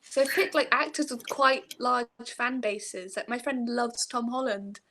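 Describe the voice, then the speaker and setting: A young woman, chatting casually about books and telling stories in a giggly, animated way. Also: fairly high pitch, a little slow, rough recording. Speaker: book discussion co-host. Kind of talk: casual book chat.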